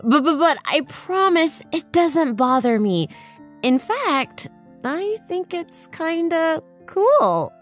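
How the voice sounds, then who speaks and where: A woman's voice: very high-pitched, very animated, slow, soft background music, full character voice. A woman playing an eager, easily flustered young medical assistant in an audio drama, polite and a little awkward.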